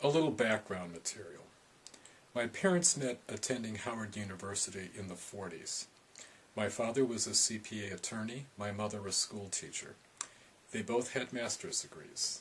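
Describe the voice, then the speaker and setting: A man speaks at a fairly low pitch and moderate pace. There is noticeable background noise. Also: ordinary pitch variation. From Cleveland, Ohio, US Midwest. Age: 50s. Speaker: personal storyteller recounting childhood. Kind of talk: personal memoir narration.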